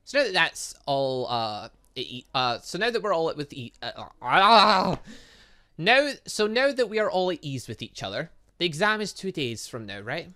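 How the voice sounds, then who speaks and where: A man's voice: a little high, big pitch swings, moderate pace, sharp tone. A young man doing casual let's play commentary, rambling and mildly sweary, stumbling as he reads game text aloud. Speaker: gaming channel host.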